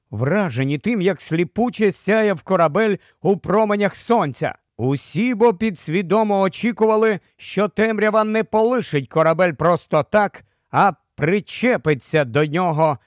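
A male narrator reads a storybook aloud with a high-pitched voice. His reading is measured and expressive. The sound is very dry and close, with no room at all. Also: no echo. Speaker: audiobook narrator.

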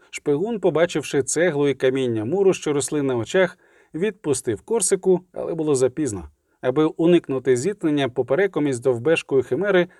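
Brisk male audiobook narrator, dark voice. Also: medium pitch, dry recording, studio quality. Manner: brisk, vivid action narration. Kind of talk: scripted narration.

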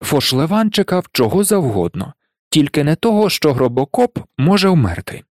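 A man reading a novel aloud as an audiobook narrator, in expressive storytelling narration. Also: a little high, normal speed, no room sound, clean studio sound. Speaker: audiobook reader.

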